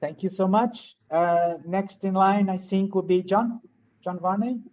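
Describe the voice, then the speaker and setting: A man's voice: sits high, steady tone, a little slow, a little mellow. A man hosting a workshop on a video call, polite and hesitant, with many fillers. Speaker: workshop host. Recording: dull lo-fi call audio with faint hiss.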